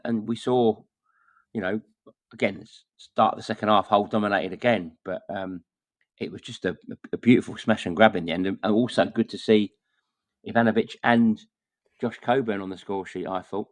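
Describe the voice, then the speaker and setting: A man giving measured, conversational football analysis as a podcast guest. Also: on the low side, fairly even intonation, dry recording. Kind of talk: casual football chat.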